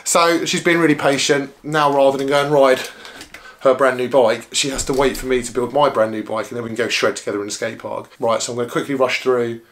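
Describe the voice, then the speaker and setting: A hoarse man in his thirties chatting casually to camera about bikes in a small living room. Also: medium pitch, fairly even intonation, brisk, a bit bright. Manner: chatty, upbeat, full of filler "like"s. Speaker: bike vlogger. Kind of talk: casual vlog chat to camera. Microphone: camera close up.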